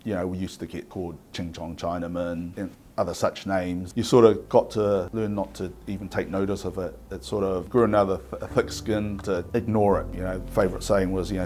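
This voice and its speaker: A man, a community leader speaking in a steady, measured way in a documentary interview. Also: low voice, slight background noise. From New Zealand. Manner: steady, measured, "you know" and "I suppose". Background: background music.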